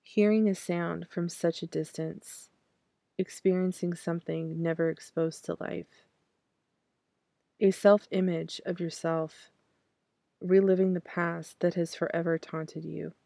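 A woman in her thirties, raspy from clearing her throat, reading her own poems slowly and then talking about them hesitantly with many fillers and restarts. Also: lowish voice, fairly even intonation, dark tone, no room sound. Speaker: podcast host reciting her poems. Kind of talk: poetry reading and casual reflection.

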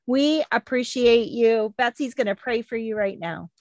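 A middle-aged woman co-hosting a podcast in a chatty, expressive way, recorded inside a closet. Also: on the high side, normal speed, no echo. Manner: animated, expressive. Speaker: podcast co-host. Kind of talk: casual, chatty podcast talk.

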